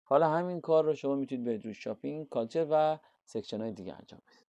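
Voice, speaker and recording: A man's voice: medium pitch, darkish tone, dry recording, muffled recording. Persian-accented man teaching an English lesson. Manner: reads English examples slowly, explains in Persian. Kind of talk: IELTS lesson walkthrough.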